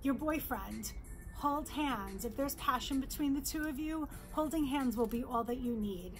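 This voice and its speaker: A middle-aged woman from New York, a jewelry designer, presenting her bracelets in a bright, chatty sales pitch in her showroom, close to the camera. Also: normal speed, soft background music. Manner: upbeat, chatty sales pitch, holds up pieces. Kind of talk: virtual trade show product presentation. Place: indoor showroom with jewelry displays.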